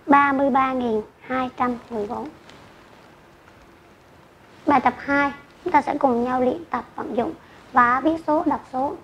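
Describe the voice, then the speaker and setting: A woman teacher giving an online math lesson to children, speaking slowly and carefully and reading out numbers digit by digit. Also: high voice, steady tone, fairly bright tone. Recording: dull lo-fi recording with faint noise.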